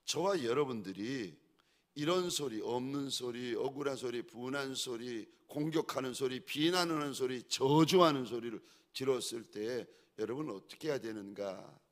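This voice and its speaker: A man preaching a sermon as a pastor, swinging between hushed pleading and loud exhortation, with repeated rhetorical questions to the congregation. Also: medium pitch, normal speed.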